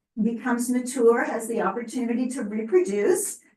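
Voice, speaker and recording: A woman with a high voice speaks at a moderate pace in an American accent. There is audible echo from the room. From US Midwest, Kansas City, Missouri. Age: 70s. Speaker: author and speaker. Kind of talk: talk to a live group. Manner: animated.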